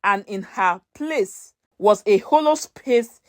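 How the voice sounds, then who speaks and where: A woman narrating a scripted story dramatically, breaking her sentences into short, deliberate phrases. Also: mid-range voice, expressive, no echo, clean studio sound.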